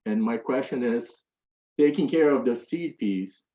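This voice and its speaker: A man's voice: mid-range voice, lively intonation, a little slow, mellow. A man asking a long, hesitant question from the audience at a panel, with many fillers and restarts. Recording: roomy, dull room audio.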